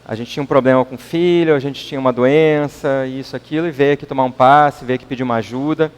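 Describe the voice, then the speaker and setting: A man's voice: mid-range voice, steady tone, fast talker, clean tone. A man with a Brazilian accent giving an informal public talk at a spiritist center, speaking conversationally and often tagging his sentences with a questioning "right?". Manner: conversational, keeps adding questioning tags. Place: meeting hall. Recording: long reverb in a hall.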